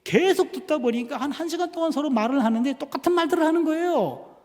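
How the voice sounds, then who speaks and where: A man's voice: very high-pitched, lively intonation, quick pace, a little mellow. A male pastor preaching a sermon, telling a family story and acting out the dialogue. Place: church sanctuary. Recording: long church reverb.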